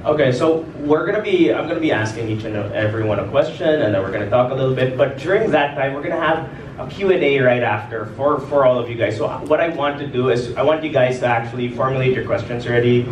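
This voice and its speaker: A man moderates a live panel, chatty and restarting his questions midway. His voice rings through a large echoing hall over steady room noise. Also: mid-range voice, fast. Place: event hall with audience. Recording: echoey hall from far off.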